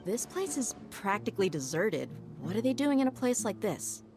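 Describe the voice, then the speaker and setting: An actress playing a confident, easygoing desert mercenary in a video game, speaking in a casual, streetwise manner. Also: female voice, mid-range voice, big pitch swings, moderate pace, over music. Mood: wary.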